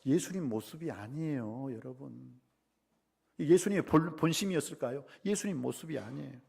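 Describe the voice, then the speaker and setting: Middle-aged male pastor, husky, sermon delivery with dramatic shouted quotes and low asides. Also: moderate pace. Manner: animated preaching, shouting out dramatized quotes then dropping low.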